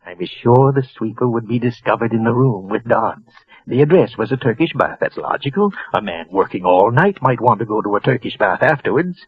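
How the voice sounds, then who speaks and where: An anxious clerk narrating a crime. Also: male voice, medium pitch, lively intonation, slightly rough. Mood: tense. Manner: tense, halting first-person narration. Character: anxious middle-aged male clerk narrating his crime. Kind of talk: 1940s radio acting. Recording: dull old radio broadcast with music.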